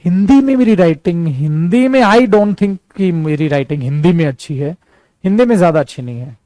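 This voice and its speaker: A man from India teaching a spoken English class, lively and emphatic, switching freely between Hindi and English and slowing right down to spell out his example sentences. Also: high-pitched, no echo. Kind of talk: classroom lesson, explaining at a board.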